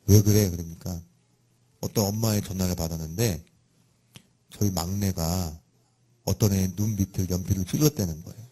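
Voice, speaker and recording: A middle-aged man preaches a sermon in a fairly low, husky voice. He tells a personal story in a lively way. His voice often leaps up high and loud for emphasis. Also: moderate pace, pauses often. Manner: animated storytelling with sudden loud emphatic rises. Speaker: pastor.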